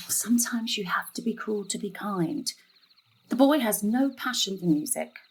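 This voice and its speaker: A woman's voice: medium pitch, lively intonation, measured pace, breathy edge, poor audio. An actress playing a weary, guarded middle-aged mother with a terse, exasperated manner in an audio drama. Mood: subdued, guarded.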